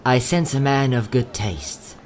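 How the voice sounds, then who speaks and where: A man playing a courteous, quietly sad young travelling merchant in a fantasy audio drama, speaking in polite, theatrical salesman's patter. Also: mid-range voice, a little slow, a little hiss or hum, natural voice. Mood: welcoming sales patter. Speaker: voice actor.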